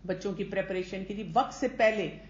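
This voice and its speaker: A woman gives a conversational lecture to teachers, mixing English words into her speech and acting out the lines of parents and teachers. The recording sounds echoey and dull, like a lo-fi capture in a reverberant room. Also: medium pitch. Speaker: teacher trainer.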